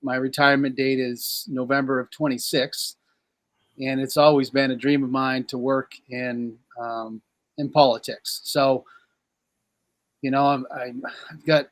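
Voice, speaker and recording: A man in his fifties from Maine, a police chief, answering interview questions in a plain-spoken, measured way. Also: medium pitch, level tone, no echo. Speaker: police chief and congressional candidate. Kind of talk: interview guest.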